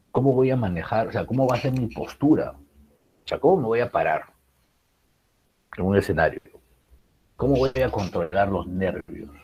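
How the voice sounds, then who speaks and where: A man's voice: on the low side, mellow, husky, rough recording. A man teaching a writing class, explaining public speaking with many rhetorical questions and fillers. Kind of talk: recorded class lecture.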